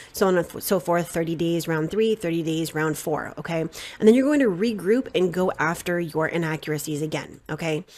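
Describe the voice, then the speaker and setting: A woman with a fairly low voice talks fairly quickly, her pitch varying in an ordinary way. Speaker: credit repair coach. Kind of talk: live workshop presentation. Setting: livestream. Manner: fast.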